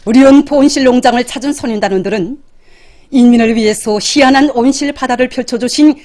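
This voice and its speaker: A woman's voice: fairly high pitch, brisk, a little mellow. A woman with a North Korean accent reading scripted television news in a formal, solemn, reverent and emphatic declamatory manner.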